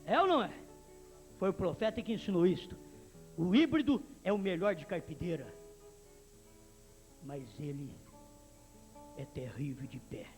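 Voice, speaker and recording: A male Brazilian pastor reading passages aloud and then preaching to his congregation, building to shouted emphasis. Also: high-pitched, animated, moderate pace, long pauses, soft background music. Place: church.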